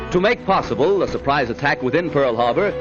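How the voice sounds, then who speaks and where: With music in the background, a man with an American accent speaks at a fairly high pitch and with lively intonation. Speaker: newsreel commentator. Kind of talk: wartime newsreel narration.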